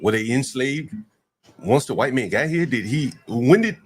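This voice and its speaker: A man's voice: medium pitch, animated, normal speed, husky. A man in his fifties giving blunt, dismissive commentary, rambling with restarts. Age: 50s. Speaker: commentator reacting to a panel. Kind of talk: opinionated commentary.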